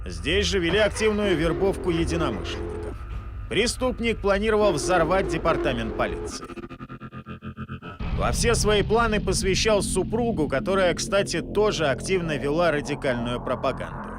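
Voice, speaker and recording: Man, documentary narrator, high voice, lively intonation, scripted delivery, music underneath. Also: moderate pace.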